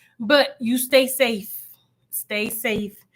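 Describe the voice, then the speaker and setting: A woman's raised, projected voice with an animated tone. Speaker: livestream host. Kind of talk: casual live chat. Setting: livestream. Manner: loud.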